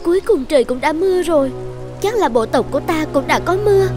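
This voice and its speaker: A woman playing a devout, self-sacrificing young tribal maiden in an animated folktale, earnest and reverent. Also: sits high, quick pace, over music. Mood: grateful wonder. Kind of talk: dubbed animated folktale acting.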